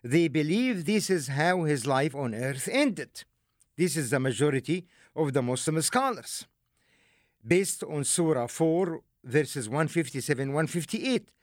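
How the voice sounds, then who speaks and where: A man from Egypt, giving a deliberate, emphatic teaching lecture with rhetorical asides. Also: fairly high pitch, expressive, no room sound, clean studio sound. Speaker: religious lecturer.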